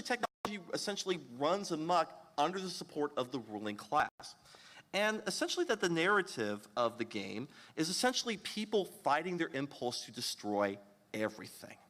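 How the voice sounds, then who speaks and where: A man's voice: fairly high pitch, fairly bright tone. A man giving a panel presentation at a convention, lecturing with frequent fillers and restarts. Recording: long hall reverb.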